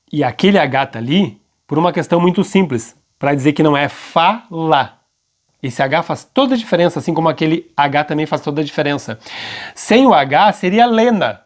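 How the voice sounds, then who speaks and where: A man with a slightly high voice teaches grammar in a lively classroom manner. He keeps checking that his students follow, and he slows right down to stress the points they should write down. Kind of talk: classroom-style grammar lesson.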